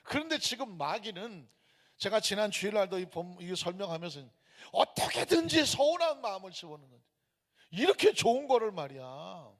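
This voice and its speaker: A man in his fifties preaches emphatically in a church sanctuary, asking rhetorical questions and telling stories. His voice sits very high and swings widely. It has a husky, gravelly grain, and the sound trails off in a long church reverb. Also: sing-song, fairly quick. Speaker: pastor. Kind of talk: sermon.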